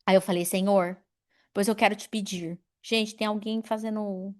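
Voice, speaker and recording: A woman in her forties preaching a sermon in an animated, personal way, calling on members of the congregation by name. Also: medium pitch, moderate pace. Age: 40s. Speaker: pastor.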